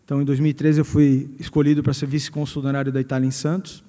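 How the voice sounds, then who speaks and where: Male executive speaker, Brazilian accent, middle-aged; soft-edged, relaxed tone, halting delivery, long hall reverb. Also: medium pitch. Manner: hesitant, repeating words as he searches. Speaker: company president giving a guest lecture. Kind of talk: personal career talk to an audience. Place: large hall at a university event.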